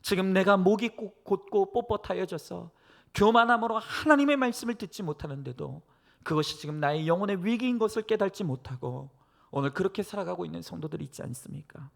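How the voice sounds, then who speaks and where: A male pastor preaching and praying earnestly to a congregation, exhorting them with phrases that swell from hushed to emphatic. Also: sits high, lively intonation, a little fast, gravelly. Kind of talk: sermon and prayer to a church congregation.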